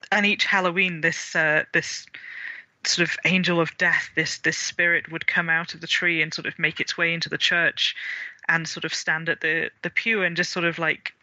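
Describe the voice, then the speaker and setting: A man from Wales chats with a very bright, somewhat high voice. He hedges and restarts often, laughing lightly between thoughts. The sound is dry and dull, like a lo-fi video call. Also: no room sound. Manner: hesitant, many fillers and restarts, laughs often. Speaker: author and illustrator guest. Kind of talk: casual interview chat.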